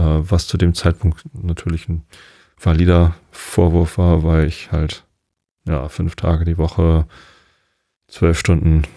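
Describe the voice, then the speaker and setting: A middle-aged man from Northern Germany hosting a sleep podcast, musing slowly and softly with many fillers. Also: sits low, creaky, husky, dry recording, studio quality. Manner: slow, soft-spoken, with many fillers. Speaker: podcast host. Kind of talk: calm rambling monologue. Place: at home.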